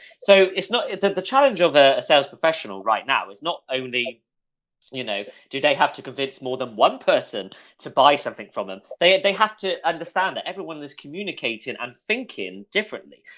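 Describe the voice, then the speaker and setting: A man talks at a fairly quick pace with a fairly high pitch and vocal fry. His pitch swings very widely and his loudness shifts in big swings. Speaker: sales professional, social selling advocate. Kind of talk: podcast interview. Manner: fast; energetic.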